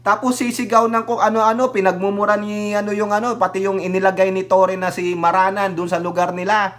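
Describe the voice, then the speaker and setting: A man's voice: high voice, level tone, a little fast, a bit bright. A man giving casual political commentary on his vlog, sarcastic and mocking, laughing often and talking straight to his viewers. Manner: addresses viewers directly. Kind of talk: casual commentary reading and reacting to news.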